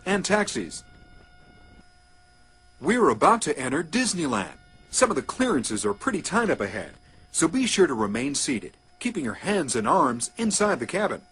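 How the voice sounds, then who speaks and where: Muffled, lively male transit tour announcer. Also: fairly high pitch, breathy edge. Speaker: theme park monorail announcer. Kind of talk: scripted tour announcement, like a transit public-address message.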